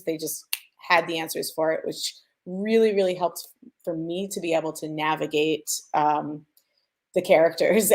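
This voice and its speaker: A woman's voice: sits low, vocal fry, darkish tone. A woman speaking as a sound designer on a panel, explaining informally and posing questions as she goes. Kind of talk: casual explanatory panel talk.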